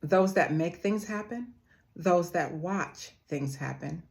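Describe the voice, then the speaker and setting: With vocal fry running through her very deep, low-pitched voice, a woman earnestly motivates her viewers face to face. "Family" is what she calls them, and she eases her pace to repeat the phrases that matter most.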